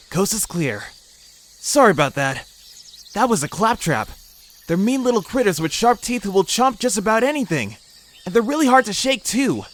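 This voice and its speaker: Man voicing a lively, high-pitched big friendly ape. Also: a little slow, pauses often, full character voice. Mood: relieved, explanatory. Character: big good-natured male ape, island ruler. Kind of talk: fan audio drama acting.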